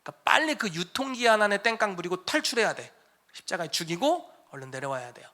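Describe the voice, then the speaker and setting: A man's voice: sits high, big pitch swings, quick pace, sharp tone. A man preaching a sermon at a church service in a conversational, emphatic way. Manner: conversational and emphatic, acting out quotes. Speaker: pastor.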